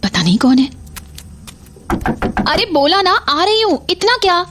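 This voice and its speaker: A woman's voice: medium pitch, animated, normal speed, a little hiss or hum, close to an everyday voice. A woman voicing a middle-aged mother who is caring at home but cold and commanding toward her son, in a horror audio drama. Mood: homely. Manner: stern, cutting, commanding.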